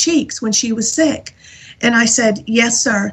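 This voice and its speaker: With an American accent, a woman talks at a moderate pace in a normal speaking voice, her pitch fairly high and her intonation fairly even. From US South. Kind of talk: radio interview, personal testimony.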